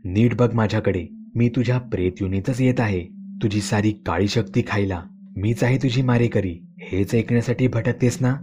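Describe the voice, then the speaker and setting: A man's voice: fairly low pitch, normal speed, noisy background, lightly acted. A man reading a possessed, defiant young wife. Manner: defiant, cursing. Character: possessed defiant daughter-in-law, growling.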